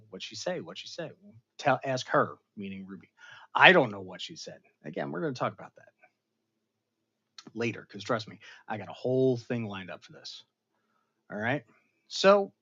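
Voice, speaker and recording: A man hosting an online show, casually recapping a television episode for his live chat in an animated, storytelling manner with sudden dramatic outbursts. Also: lowish voice, husky, dull audio. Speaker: show host reviewing an episode.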